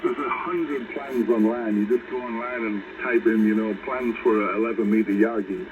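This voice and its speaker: A man's voice: fairly low pitch, steady tone, moderate pace. A middle-aged American man chatting casually and encouragingly over a radio transmission. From United States. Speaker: amateur radio operator. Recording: tinny, noisy shortwave CB radio signal.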